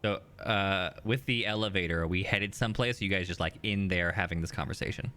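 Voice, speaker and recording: A man's voice: sits low, brisk, bright, forceful tone. A man casually running a tabletop game as game master, conversational and improvised.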